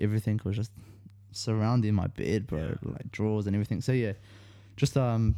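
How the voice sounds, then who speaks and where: Dark, mellow male voice, medium in pitch, its intonation fairly even. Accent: New Zealand. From West Auckland, New Zealand. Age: 20s. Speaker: vintage clothing reseller and university student. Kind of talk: casual chat.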